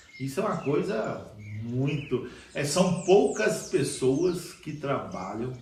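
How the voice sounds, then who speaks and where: The speech moves at a very slow pace with lively intonation and big swings in loudness. Noticeable background noise and audible room echo come through. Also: man. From rural Espírito Santo, Brazil. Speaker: orchid grower. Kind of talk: casual chat.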